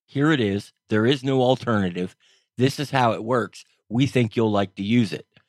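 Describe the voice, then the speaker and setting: An ordinary speaking voice from a man at medium pitch, at a moderate pace with ordinary pitch variation, has a dry, close sound with no echo on a very clean recording with a silent background. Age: middle-aged. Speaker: tech writer. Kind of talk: casual chat.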